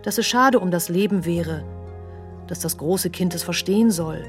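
An actress performing an outsider's literary radio monologue in short, incantatory, repeated phrases. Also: female voice, on the low side, moderate pace, soft background music, natural voice. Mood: pleading, tender.

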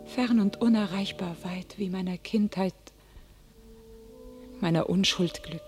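An actress playing a tormented, homesick young shepherdess turned warrior, declaiming solemnly and fervently in a classical radio play. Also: female voice, medium pitch, unhurried, close to an everyday voice. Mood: anguished, haunted. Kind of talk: classical German stage verse radio acting. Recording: radio play with loud music behind.

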